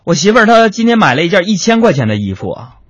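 A man telling a comic story, chatty and animated, talking to his listeners as friends. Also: sits high, fast talker, breathy edge, dry recording. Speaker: comedian. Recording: dry lo-fi recording.

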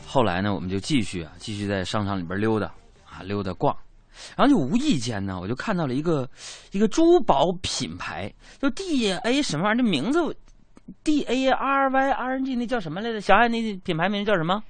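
A man's voice: fairly high pitch, big pitch swings, brisk, no echo. A young man performing a stand-up comedy monologue, telling chatty stories with colloquial asides and self-mocking punchlines.

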